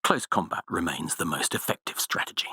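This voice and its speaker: An actor playing a cold, arrogant villainous scientist in a video game, speaking in a precise, formal, haughty way. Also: male voice, low-pitched, lively intonation, brisk, sharp tone, breathy edge, no echo, studio quality, exaggerated voice. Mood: clinical, detached. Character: cold, arrogant villainous male scientist, menacing and self-assured.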